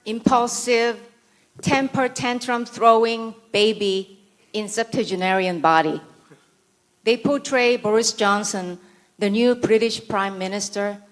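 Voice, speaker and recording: A woman's voice: a little high, low-quality recording. A woman from South Korea, a native Korean speaker, delivering a prepared conference speech in Korean-accented English, full of dry, sarcastic humor and mock-serious asides.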